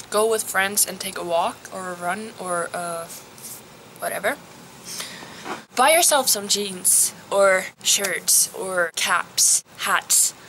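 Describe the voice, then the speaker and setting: A teenage girl from Norway, giving casual advice in a vlog recorded outdoors. She talks softly and hesitantly, sometimes dropping to a whisper. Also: mid-range voice, a little hiss or hum, low-quality recording. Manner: soft, hesitant, drops to a whisper at times. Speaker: vlogger.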